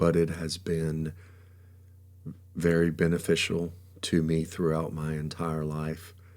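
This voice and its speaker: Very slowly and with long, frequent pauses, a man speaks in a very deep, low pitch with monotone, flat intonation. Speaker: meditation guide. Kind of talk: ASMR guided meditation. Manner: soft-spoken, slow, relaxing.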